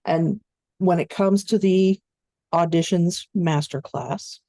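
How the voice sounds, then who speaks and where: A woman coaching voice-over students in an online training session, explaining in a steady conversational way. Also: lowish voice, slow pace, gravelly, no echo.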